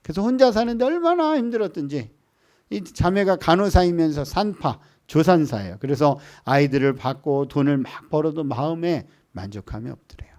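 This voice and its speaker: A man preaches a sermon to a church congregation, his voice sitting a little high. He moves from quiet, hushed storytelling to lifted, emphatic lines. He also leads the room in reading scripture aloud. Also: animated, moderate pace. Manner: swings between soft hushed storytelling and raised emphatic lines. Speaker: missionary preacher. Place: church service.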